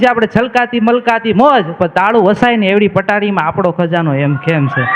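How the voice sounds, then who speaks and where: Through noticeable background noise, a man speaks in an animated tone with lively intonation. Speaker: staff member performing at a cultural event. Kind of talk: stage performance of folk poetry and oratory. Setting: stage with audience.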